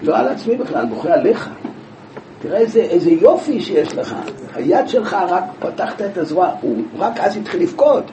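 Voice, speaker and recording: Male Talmud teacher, animated storyteller, slightly high voice, roomy echo, background noise. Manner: animated, lively storytelling with many rhetorical questions. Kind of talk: Talmud class, explaining a passage. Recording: echoey room from far off, with background noise.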